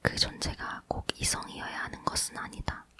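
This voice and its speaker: A woman's voice: normal speed, sharp tone. A woman reading a book aloud as ASMR, leaning in to whisper closely and breathily into a near microphone. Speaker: ASMR reader.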